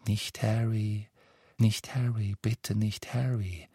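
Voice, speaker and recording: A man voicing a desperate young mother who begs softly to spare her baby. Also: level tone, slow, breathy edge, no room sound, studio quality, exaggerated voice. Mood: pleading. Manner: pleading, soft and raised in pitch.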